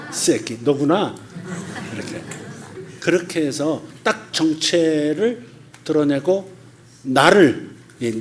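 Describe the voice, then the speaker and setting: A middle-aged male pastor delivers a sermon in a fairly high voice. He talks colloquially and animatedly, laughs often, and jumps into loud, high bursts when he acts out the voices he quotes.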